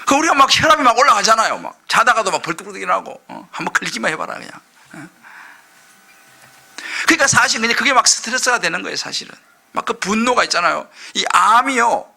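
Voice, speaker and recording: A middle-aged male pastor preaching a sermon, impassioned, swinging from loud outbursts to hushed asides. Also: high-pitched, expressive, fast talker, vocal fry. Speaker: senior pastor.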